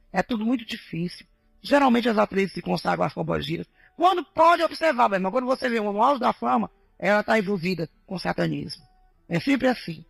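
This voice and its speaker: A woman missionary telling her testimony as an animated sermon, often addressing the listeners as brothers. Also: medium pitch, creaky, slightly rough, dry recording. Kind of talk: preaching testimony to a congregation.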